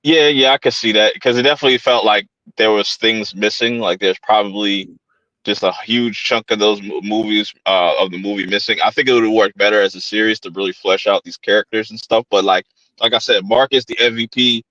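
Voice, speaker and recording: A man's voice: fairly low pitch, fairly even intonation, fairly quick, pushed and bright, dry recording, dull audio. A man hosting a horror podcast in casual chat, laid-back and slangy, often repeating his phrases. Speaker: podcast host. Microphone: home streaming setup.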